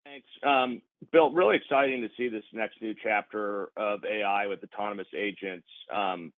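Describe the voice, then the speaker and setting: A male analyst puts a question on an earnings call. His voice sits on the low side and comes through a dry, narrow telephone connection. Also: steady tone, normal speed, dry recording. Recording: dry, narrow phone line.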